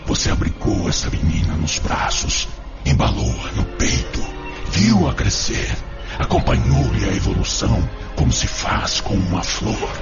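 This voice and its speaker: A man's voice: on the low side, very animated, unhurried, gravelly, exaggerated voice. An actor in a Portuguese-language radio drama playing an insinuating male tempter spirit, persuasive and goading, with rhetorical flourishes. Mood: seductive, insinuating. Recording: dull audio under loud music.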